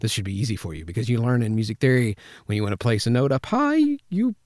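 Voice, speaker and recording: A man's voice: mid-range voice, very animated, fast, darkish tone, no echo. A man giving an informal tutorial as a voice actor, talking casually and conversationally into a close microphone. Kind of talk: informal instructional talk with vocal demonstrations. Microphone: close studio microphone, spoken slightly to the side.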